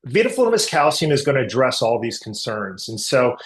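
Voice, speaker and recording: Man, mid-range voice, company executive, earnings call answers, measured explaining, technical business jargon. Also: medium pitch, very animated. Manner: measured corporate explaining, medical and market jargon.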